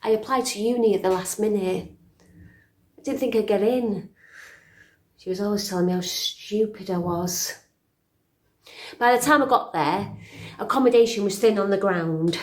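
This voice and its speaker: A woman's voice: medium pitch, moderate pace, long pauses, echoey room, lightly acted. A woman playing a middle-aged, weary Snow White in a dry, understated, confiding dramatic monologue. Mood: wry, confiding.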